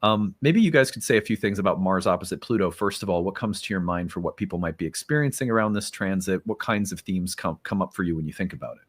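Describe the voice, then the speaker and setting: Guy hosting his show, kinda low voice, earnest upbeat pitch, dry close mic. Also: fast, few pauses, dry recording. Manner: earnest and upbeat, with some fillers. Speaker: host. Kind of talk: casual talk and fundraising appeal.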